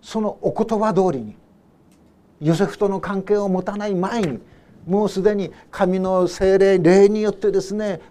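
A male pastor giving a Sunday sermon, reading Bible verses and explaining them in an unhurried way with soft asides. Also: high-pitched. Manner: reads scripture verses aloud and then paraphrases them. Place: church service.

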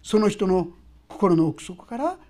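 Husky, animated woman preaching a sermon. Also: mid-range voice, unhurried. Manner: animated storytelling, swinging between loud exclamations and hushed asides. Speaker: pastor.

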